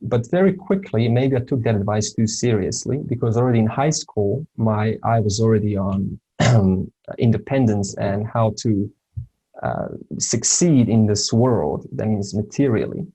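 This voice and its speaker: Low, husky Serbian-born man teaching. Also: unhurried, mellow, poor audio. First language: Serbo-Croatian. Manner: hesitant, many fillers and restarts. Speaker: spiritual teacher. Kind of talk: informal lesson talk.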